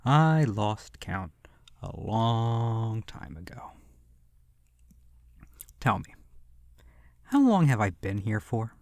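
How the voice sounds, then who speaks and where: Casting: male actor for sadistic vampire, low-pitched, languid and mocking, theatrical with breathy whispers, intimate horror roleplay audio. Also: big pitch swings, very slow, long pauses, a little mellow, no room sound, full character voice.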